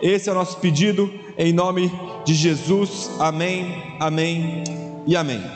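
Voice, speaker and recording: A man speaking at a very slow pace amid audible room echo, with music in the background. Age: 20s. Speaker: guest preacher. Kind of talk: sermon.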